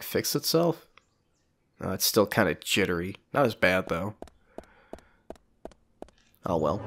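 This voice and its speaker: Casual gamer guy, stuffy and sniffly, rambling chatter with a lowish voice. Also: a bit bright. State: congested with a cold, sniffling. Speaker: gameplay commentator. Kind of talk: casual let's play commentary.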